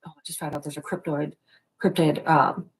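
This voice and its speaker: A woman co-hosting a casual livestream, talking in a calm, rambling way as she explains things. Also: low-pitched, a little fast, rough recording. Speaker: livestream co-host.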